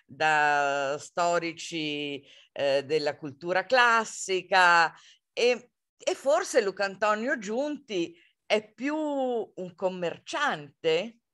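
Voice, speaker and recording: A woman hosting a book talk in a conversational, halting way, searching for her words. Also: on the low side, expressive, a bit bright. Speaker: host, literary circle director. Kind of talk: unscripted conversational book presentation.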